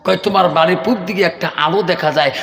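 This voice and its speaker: A man preaching a waz sermon, telling a story in a chanting, drawn-out melodic style and calling out repeatedly to his listeners. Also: sits high, vocal fry, fairly bright tone, a faint crowd. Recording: echoey hall reverb through PA.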